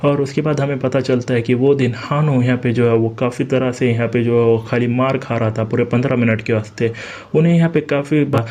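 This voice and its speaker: A man's voice: medium pitch, steady tone, fairly quick, a little mellow. A man with an Indian Hindi accent recapping a manhwa story in casual Hindi, reading every character's lines in his own plain voice with frequent fillers.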